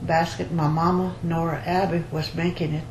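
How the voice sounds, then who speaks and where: An older woman in her seventies or beyond, a basket maker from rural Louisiana, recalls her past in an oral history interview. Her voice is deep and flat, and she speaks haltingly, repeating phrases. The room is echoey, with faint background noise.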